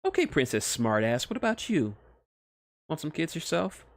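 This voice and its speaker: A cocky young hedgehog hero from a fan story, acted out by a man. He talks in casual slang, playful and teasing, with loyalty under the bluster, his pitch raised a little in a dry, close recording. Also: very animated, normal speed, no echo.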